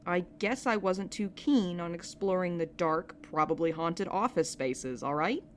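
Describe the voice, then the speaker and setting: A woman plays a tough, sceptical sidekick with a fairly low voice. She is dry and blunt but loyal, in an audio drama scene with clear ambient noise underneath. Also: a little slow, natural voice. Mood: guarded. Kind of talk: audio drama podcast acting. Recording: clear background noise, ambient sound bed.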